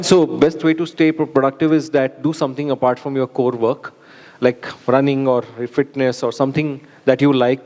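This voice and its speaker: Male panelist, Indian accent, mid-pitched, informal advice-giving with repeats, heard in a reverberant hall. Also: a little mellow. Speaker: symposium panelist. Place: large indoor hall. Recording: long echo of a hall.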